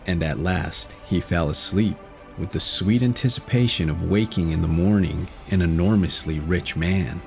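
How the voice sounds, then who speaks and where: A man with a low voice narrates a classic fairy tale as an audiobook. He reads from a script in storybook style, with faint music playing behind him. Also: moderate pace, vocal fry, fairly bright tone.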